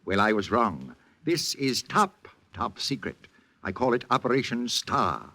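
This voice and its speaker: An actor playing a pompous, grandiose movie studio boss in a 1940s radio drama, talking in lofty words. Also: male voice, medium pitch, big pitch swings, measured pace, bright, forceful tone, exaggerated voice. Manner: grandiose, lofty vocabulary, theatrical. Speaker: studio head.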